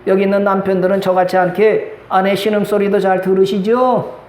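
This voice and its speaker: A man's voice: sits high, level tone, fairly quick, darkish tone. A male pastor preaching a Sunday sermon, telling stories with acted dialogue and asking the congregation questions. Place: church sanctuary. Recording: echoey church hall with faint background noise.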